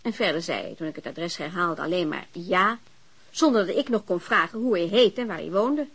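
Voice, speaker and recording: A vain, flirty female telephone operator in a radio drama. Her voice is very animated, with big swoops in pitch. She is chatty, playful and openly teasing. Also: brisk, husky, full character voice. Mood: chatty, matter-of-fact.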